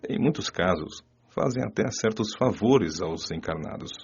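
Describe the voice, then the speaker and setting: A Brazilian man playing a calm, serious spirit mentor, explaining things in a measured, didactic way for an audiobook radio novel. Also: sits low, creaky, slightly rough, exaggerated voice. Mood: calm, instructive. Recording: dull lo-fi audio with music. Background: music.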